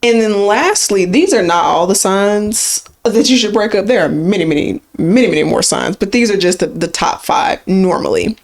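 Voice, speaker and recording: Woman podcast co-host, casual chat, mid-pitched voice, lively emphasis. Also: normal speed, few pauses. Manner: conversational, rambling, lively emphasis.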